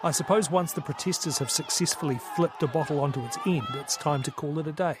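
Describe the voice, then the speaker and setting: A man's voice: fairly high pitch, fast. A man reporting on the ground, giving wry live commentary into phone video outdoors at a street protest. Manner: wry, dry humor. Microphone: phone camera. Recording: phone video in a noisy crowd.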